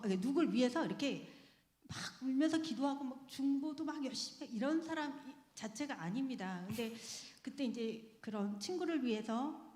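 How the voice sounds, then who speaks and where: A woman speaks at a slightly high pitch as she gives a personal testimony before the congregation. She tells her story in a lively way and laughs between phrases. Her voice rings through an echoey church sanctuary with a long reverb tail. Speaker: church member giving testimony.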